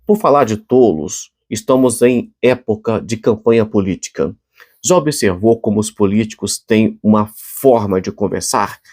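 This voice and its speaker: A man's voice: fairly low pitch, normal speed, darkish tone. A man with a Brazilian Portuguese accent preaching a short devotional sermon and closing in prayer, speaking earnestly and conversationally with frequent restarts and fillers.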